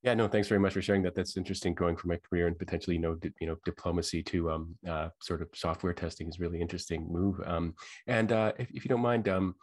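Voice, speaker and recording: A man's voice: deep voice, fairly even intonation, fast, darkish tone. A man from Saskatchewan, hosting a podcast interview in a rambling, casual way, filling with "you know" and "um". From Saskatchewan, Canada. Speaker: podcast host.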